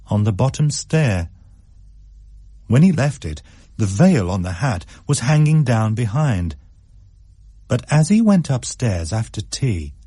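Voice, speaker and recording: Man reading a creepy story, low mellow voice, bit husky, dry close mic. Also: no echo. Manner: measured, suspenseful storytelling. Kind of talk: scripted story narration.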